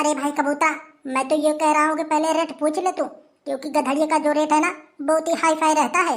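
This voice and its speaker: A woman's cartoonish character voice, high-pitched and monotone with flat intonation, at a very fast pace. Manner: sly, evasive.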